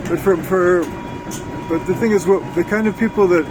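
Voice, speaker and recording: A man interviewing casually in a halting, rambling, digressive way. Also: steady tone. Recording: noisy, air conditioning and traffic rumble.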